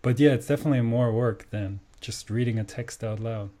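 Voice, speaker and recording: German male host, native German speaker, mellow timbre, enthusiastic casual interviewer. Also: medium pitch, a little fast. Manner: enthusiastic, says "awesome" often.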